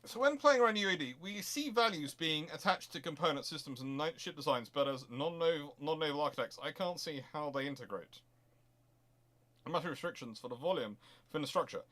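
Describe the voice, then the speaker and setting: A man hosting a casual live question-and-answer stream on history, talking in a halting way as he thinks aloud and repeats phrases. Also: a little high, lively intonation, a bit bright. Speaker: host of a naval history stream.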